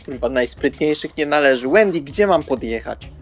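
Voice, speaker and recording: Mężczyzna grający poirytowanego, podejrzliwego wampira. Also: male voice, mid-range voice, lively intonation, moderate pace, faint music behind, close to an everyday voice. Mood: exasperated. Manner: exasperated, insistent questioning. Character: agitated, suspicious, hungry male vampire driver. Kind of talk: improvised tabletop roleplay acting.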